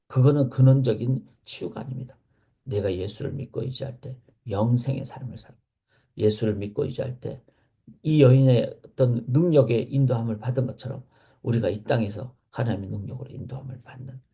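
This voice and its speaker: A middle-aged man preaching earnestly at a morning prayer meeting, swinging from emphatic rises to soft, hushed passages. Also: mid-range voice, gravelly, husky. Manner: earnest preaching, rising to emphatic questions then dropping to soft near-whispers. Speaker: pastor.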